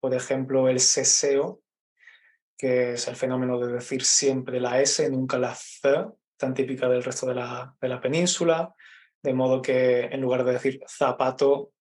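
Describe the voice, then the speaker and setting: A Spanish teacher from Málaga with an Andalusian accent, explaining his dialect in an interview, measured and often checking in with "¿no?". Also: mid-range voice, little pitch movement, darkish tone. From Málaga, Spain. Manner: explanatory, measured, frequent "¿no?" tags.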